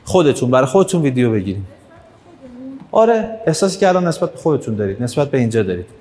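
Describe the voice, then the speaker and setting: A man's voice: medium pitch, sing-song, dark tone, long reverb tail. A man leading a live workshop, talking directly to the audience and urging them on. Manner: direct, coaxing, urges the audience on. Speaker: workshop trainer. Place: hall with an audience.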